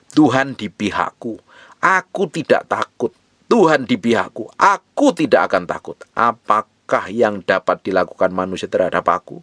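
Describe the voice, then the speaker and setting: A man a slight touch preaches a sermon, driving each point home by repeating it and breaking into sudden loud rises. His voice sits low. It is recorded close and dry, no room sound. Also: no echo. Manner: emphatic, repetitive exhortation with sudden rises. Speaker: pastor.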